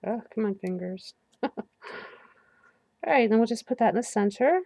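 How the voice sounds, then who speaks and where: A woman's voice: fairly high pitch, lively intonation, moderate pace, creaky, a little mellow, no echo. A woman getting over the flu, chatting casually to herself while demonstrating a paper craft at her work table. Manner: chatty, self-talking while working, laughs at slips. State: recovering from flu. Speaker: crafting video host. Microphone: overhead camera above work table.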